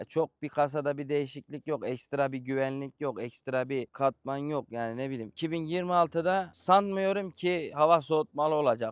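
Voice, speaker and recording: A man with an unremarkable speaking voice talks at a fairly slow pace with hardly any pauses, his pitch fairly high with ordinary variation, in a dry, close sound with no echo. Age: 20s. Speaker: motorcycle vlogger, former lathe operator. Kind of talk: casual Q&A chat.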